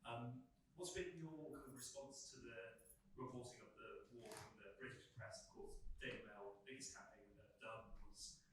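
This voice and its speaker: A man's voice: mid-range voice, steady tone, normal speed, pauses often, a bit bright, breathy edge, rough recording. A male journalist asking a question from the audience at a Q&A, hesitant and repeating himself.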